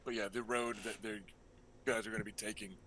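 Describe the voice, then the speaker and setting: A man working as game master, narrating a tabletop role-playing game in a casual, halting, improvised way. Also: fairly low pitch, flat delivery, background noise.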